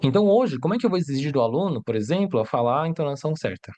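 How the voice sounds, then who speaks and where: A rapid-fire talker with a fairly high, mellow voice and lively intonation, this man teaches Mandarin in a livestream lesson. He learned Portuguese as a second language, and he explains step by step, poses rhetorical questions, and regularly checks in with "né?" and "tá?".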